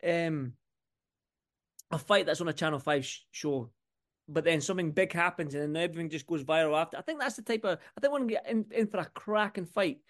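Podcast host, male, Scottish accent, notably high voice, rambling casual sports talk with repeated phrases. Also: brisk. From Scotland.

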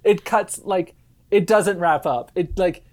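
A woman's voice: fairly low pitch, a little slow, a little mellow. A woman casually discussing a film as a podcast co-host, speaking in an emphatic, wry, amused way.

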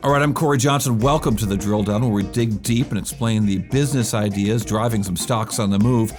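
A man hosting a business news podcast, explaining stock and economic stories briskly with occasional fillers. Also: lowish voice, faint music behind. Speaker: podcast host.

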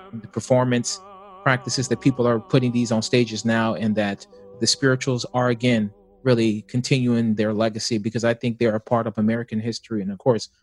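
A man, an opera tenor, giving thoughtful, earnest interview answers. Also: mid-range voice.

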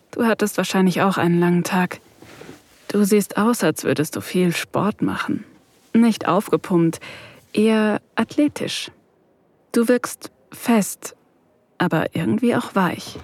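A woman's voice: mid-range voice, unhurried, lightly acted. A woman voicing a shy, flustered young woman researcher, narrating her thoughts hesitantly and in half-whispers in an intimate audio drama.

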